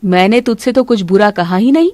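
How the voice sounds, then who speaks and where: A woman voicing a scheming, bossy middle-aged mother-in-law in an animated story, talking in a sharp, scolding, sly way. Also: medium pitch, brisk, no room sound, close to an everyday voice. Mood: defiant.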